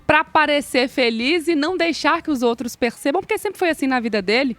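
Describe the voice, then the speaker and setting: A woman hosting an interview, asking quick, reflective questions. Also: sits high, expressive, a bit bright. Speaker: host. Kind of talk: interview host.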